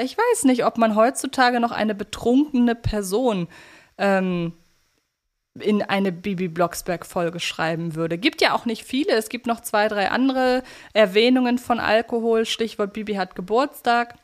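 A woman co-hosting a podcast, talking casually and analytically in a reflective, elaborating way. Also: medium pitch. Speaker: podcast co-host. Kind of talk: casual analytical podcast talk about an audio drama series.

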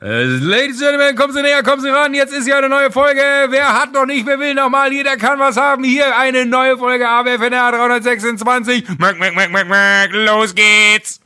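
A man putting on the voice of a loud, brash fairground barker who hawks in a shouted sing-song and draws out his calls. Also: very high-pitched, fairly quick, hardly any pauses, clear, resonant tone, pitched above the performer's own voice, full character voice. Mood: hyped.

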